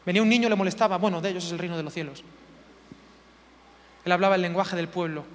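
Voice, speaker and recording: A man's voice: high-pitched, long reverb tail, slight background noise. A man preaching a sermon, emphatic and full of rhetorical questions, repeating key words for effect.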